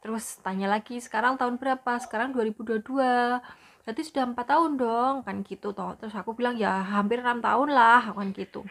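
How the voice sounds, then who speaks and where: A woman's voice: fairly high pitch, a little fast, a bit bright. A young Indonesian woman with a Javanese accent, chatting casually to her viewers about looking after an elderly person at home. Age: young adult. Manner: chatty, explaining, often says "gitu". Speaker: vlogger, caregiver for an elderly person. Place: home in a city. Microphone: phone.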